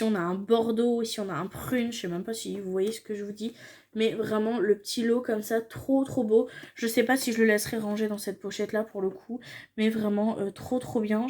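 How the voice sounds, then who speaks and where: A woman's voice: fairly high pitch, darkish tone. A young woman chatting casually in a makeup haul vlog, gushing and repeating her praise. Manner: gushing, repeats "trop, trop beau". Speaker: beauty vlogger.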